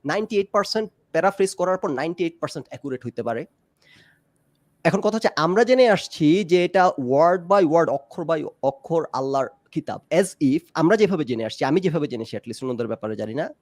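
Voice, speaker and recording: Man, debating, rapid delivery, code-switching, dry recording. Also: on the high side, expressive, darkish tone, dry recording. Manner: argumentative, mixes English phrases into Bengali. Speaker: discussion guest. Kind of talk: casual debate on a live stream.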